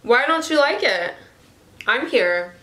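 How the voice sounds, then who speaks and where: A woman in her twenties from Canada, chatting casually with strangers on video calls and teasing them with deadpan jokes. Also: a little high, takes it slowly, reverberant. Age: 20s. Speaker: host. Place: bedroom.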